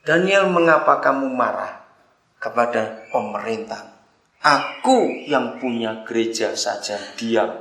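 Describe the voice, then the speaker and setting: A man quoting a divine voice in his sermon, speaking low, hushed and slow. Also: sing-song, echoey room. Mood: grave. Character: calm, grave male divine voice.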